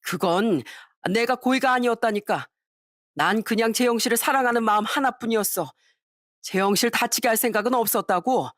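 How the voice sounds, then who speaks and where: A woman's voice: fairly high pitch, fairly quick, no echo, studio quality, close to an everyday voice. A woman voicing a pushy older male office boss who wheedles and makes excuses. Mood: wheedling.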